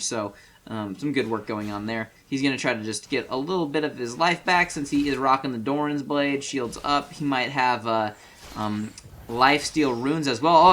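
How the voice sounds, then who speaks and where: A man giving casual, chatty commentary over game footage, full of fillers and apologetic asides, with bursts of fast, excited play-by-play. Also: mid-range voice, a little hiss or hum.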